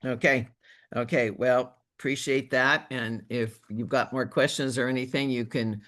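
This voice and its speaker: A man acting as a district leader on a recorded meeting call, talking in a measured, hesitant way with many fillers. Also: mid-range voice, steady tone, a bit bright.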